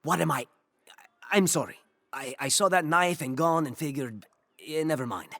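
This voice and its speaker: A man's voice: on the high side, moderate pace, a bit bright, no room sound, clean studio sound. An actor playing a nervous, defensive black-market trader in a video game, jumpy and then pushing his wares. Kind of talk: video game cutscene acting.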